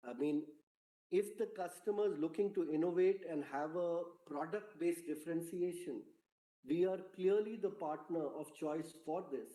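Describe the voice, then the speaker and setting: A man speaking as a company executive, giving a prepared earnings presentation on a conference call in a measured, formal corporate manner. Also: fairly high pitch, warm tone. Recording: roomy, echoing conference call audio.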